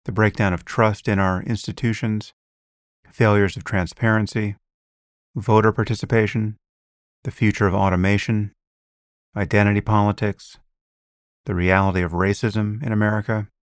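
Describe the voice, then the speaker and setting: A man hosting a podcast, reading a measured introduction and then interviewing his guest. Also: fairly low pitch, flat delivery, no room sound, studio quality. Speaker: podcast host.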